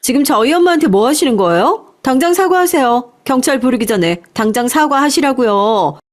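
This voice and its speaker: A woman's voice: high-pitched, animated, brisk, voice pushed up. A woman voicing a fiercely protective adult daughter and clinic director in an audio story, indignant and commanding. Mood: indignant, demanding. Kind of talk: acted dialogue in audio storytelling.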